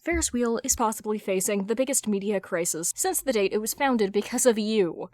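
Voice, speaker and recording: Woman acting a scathing, deadpan businesswoman. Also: medium pitch, a little fast, dry recording, close to an everyday voice. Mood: deadpan demanding. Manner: deadpan, sarcastic, blunt. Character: sharp, judgmental businesswoman, scathing exasperated ex.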